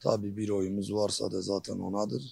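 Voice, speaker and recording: At a fairly slow pace, a man speaks in a fairly low, monotone, flat delivery. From Diyarbakır, Turkey. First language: Kurdish (speaking Turkish). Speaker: street musician. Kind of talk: street interview. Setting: outdoors.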